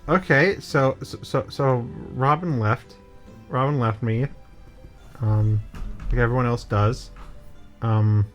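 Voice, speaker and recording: A man's voice: medium pitch, steady tone, slow pace, long pauses, soft background music. A young man co-hosting a casual chat, stammering and repeating words as he rambles through an absurd improvised story. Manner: stammering, repeats words, goofy nonsense humor. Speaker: co-host.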